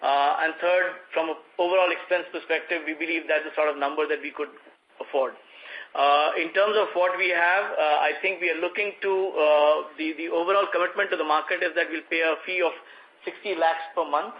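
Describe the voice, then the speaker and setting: A man with an Indian accent, a company executive explaining figures point by point in a measured way on a conference call. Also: on the high side, steady tone. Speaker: company executive answering analysts. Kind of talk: earnings conference call answers. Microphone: conference call line. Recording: dull, band-limited conference call audio.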